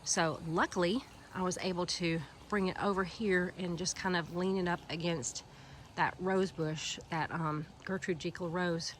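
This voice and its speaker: A gardening vlogger from Alabama's Gulf Coast talks in a lowish, steady voice at a measured pace, with a slight hiss or hum in the background. She has a Southern US accent and a stuffy head cold, and she rambles casually with plenty of fillers while filming her outdoor garden by hand on a walking tour.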